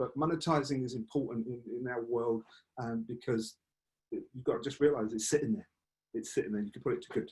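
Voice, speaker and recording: Speaking in an East London accent, a man talks at a fairly quick pace in a medium, somewhat breathy voice with ordinary pitch variation. His loudness swings widely. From East London, England. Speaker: professional public speaker. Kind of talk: interview. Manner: animated.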